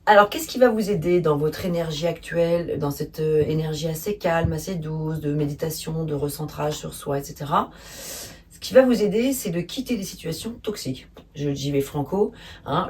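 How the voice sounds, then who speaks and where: A woman giving a spontaneous tarot reading, speaking calmly and gently, hesitating often with fillers. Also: deep voice, normal speed, far from the mic. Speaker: tarot reader.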